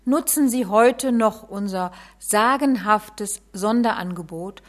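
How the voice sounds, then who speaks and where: A woman making a persuasive sales pitch in the style of a market barker, calling the crowd closer. Her voice sits at an ordinary middle pitch. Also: slow pace.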